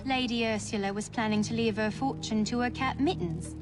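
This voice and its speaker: A woman's voice: on the high side, fairly even intonation, brisk, music in the background, close to an everyday voice. An actress playing a woman informant who explains things in a matter-of-fact way. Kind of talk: video game cutscene acting.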